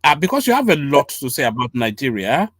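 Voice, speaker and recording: A man's voice: mid-range voice, very animated, a little fast, fairly bright tone, no echo, clean studio sound. A man hosting a heated panel debate, pressing his guest with repeated questions and talking over him. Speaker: host.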